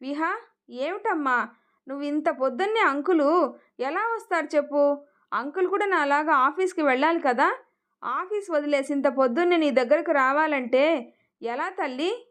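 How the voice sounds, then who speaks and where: A woman voicing a tired young mother in a storybook tale, scolding her child in a raised voice. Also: high voice. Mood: weary. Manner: scolding, rising fast and sharp. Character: young mother, weary and short-tempered.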